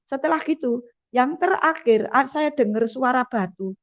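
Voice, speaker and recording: Woman telling her testimony, slightly high voice, lo-fi muffled audio. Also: normal speed. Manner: vivid storytelling with quoted dialogue. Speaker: testimony speaker. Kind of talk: emotional personal testimony. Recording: dull lo-fi sound.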